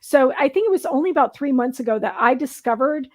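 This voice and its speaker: A woman's voice: high voice, lively intonation, fast. A woman co-hosting a casual panel discussion, explaining things in a conversational way. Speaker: talk show co-host.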